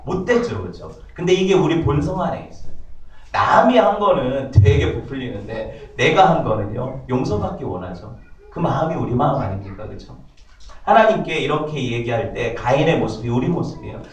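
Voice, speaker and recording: A man preaching a sermon as pastor, in a lively conversational way, often asking the congregation questions. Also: medium pitch, brisk, slight background noise. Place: church sanctuary. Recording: echoey church hall, mic at a distance.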